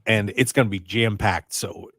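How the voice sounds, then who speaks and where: A man hosting a radio show in casual, rambling chat, his voice a little raspy and strained. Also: fairly low pitch, moderate pace, dry recording, clean studio sound. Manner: chatty, excitable, rambling. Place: radio studio.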